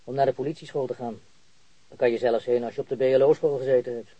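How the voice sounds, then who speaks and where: An actor playing an earnest, downhearted jobless graduate in a radio play. His voice is husky and mid-pitched. He speaks informally and hesitantly, as if needing advice. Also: fairly even intonation, fast talker, mellow, no room sound, natural voice, rough recording. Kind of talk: naturalistic radio drama acting.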